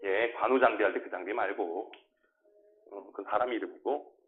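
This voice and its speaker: A male teacher running a classroom English lesson, drilling pronunciation and asking quick check questions. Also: lowish voice. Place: small classroom. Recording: tinny phone-like classroom recording.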